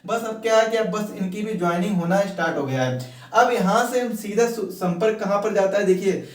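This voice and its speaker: Male exam coach, notably high register, informal and repetitive explainer, recorded away from the mic. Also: brisk. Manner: repetitive, asks questions and answers them himself. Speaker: exam-preparation coach and video host. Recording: echoey room, distant from mic.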